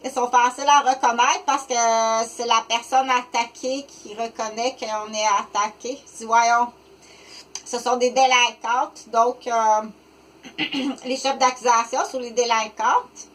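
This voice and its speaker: A woman in her fifties with a Québécois French accent, talking unscripted to the camera in a rambling, halting way, full of fillers and restarts. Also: a little high, fairly even intonation, a bit bright, low-quality recording. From Quebec, Canada. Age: 50s. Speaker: vlogger.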